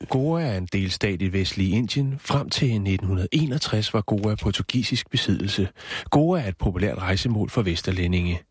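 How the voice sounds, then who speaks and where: A man's voice: lowish voice, animated, few pauses, slightly rough, no room sound. A man co-hosting a radio show in a studio, bantering casually with dry, teasing remarks. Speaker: radio host. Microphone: studio microphone.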